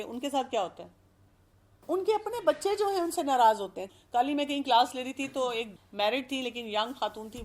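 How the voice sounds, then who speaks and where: Woman, expert guest, advice talk, calm explanatory manner, a bit high-pitched. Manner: calm, explanatory, gives examples.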